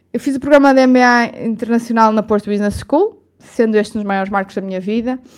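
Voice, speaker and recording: A normal speaking voice, a woman's, fairly high in pitch, fairly quick in pace, with fairly even intonation. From northern Portugal, Minho (Fafe). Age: 30s. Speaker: podcast host, entrepreneur. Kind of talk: solo monologue, self-introduction.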